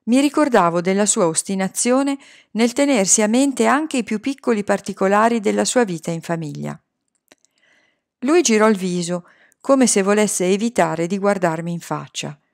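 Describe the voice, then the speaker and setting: A woman reads a novel aloud at a steady, unhurried pace. Her voice sits at a middle pitch for a woman, and her telling is calm and measured throughout. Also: creaky. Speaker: audiobook reader.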